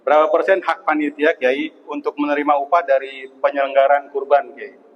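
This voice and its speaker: A man's voice: a little high, level tone, a little fast. Polite male host, muffled sound. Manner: polite, addresses the guest respectfully. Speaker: talk show host. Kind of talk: reading audience questions. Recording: dull muffled sound with faint noise.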